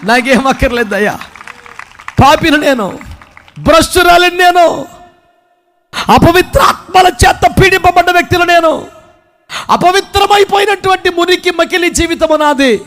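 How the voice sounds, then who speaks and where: Man doing repentant woman disciple, grieving her lost Lord, very high-pitched, pleading, fervent, shouting at peaks. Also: moderate pace, long pauses. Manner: fervent, pleading first-person testimony, rising to shouts. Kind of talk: dramatized sermon monologue.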